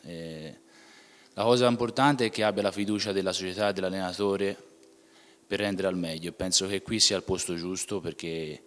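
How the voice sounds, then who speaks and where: A young man with a low voice answers questions as a footballer, speaking plainly and often restarting his phrases. He talks into a handheld mic in an indoor room. The room adds a long reverb behind him. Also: moderate pace, fairly bright tone. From Tuscany, Italy. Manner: plain, with frequent restarts and filler "ecco". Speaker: footballer, interview guest. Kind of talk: casual interview answers. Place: indoor club museum room.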